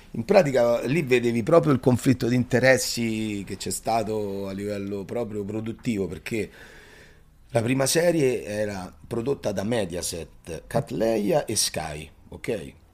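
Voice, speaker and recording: A man with an unremarkable speaking voice talks at a fairly slow pace and medium pitch, with lively intonation. The recording is very clean, with a silent background. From Rome, Italy. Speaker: actor. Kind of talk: casual chat.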